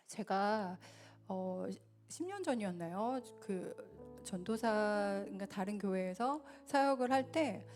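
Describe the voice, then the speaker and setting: A woman preaching a sermon in a church, earnest and swelling louder then dropping soft. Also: medium pitch. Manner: earnest, rises and falls in loudness. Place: church sanctuary.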